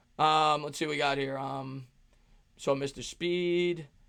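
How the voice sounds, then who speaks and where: The recording is very clean, with a silent background. A man speaks in a fairly high pitch. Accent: New York. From New York, Long Island (Nassau County). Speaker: sports YouTuber. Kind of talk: live stream Q&A. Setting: live stream with green screen. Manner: casual, filler-heavy.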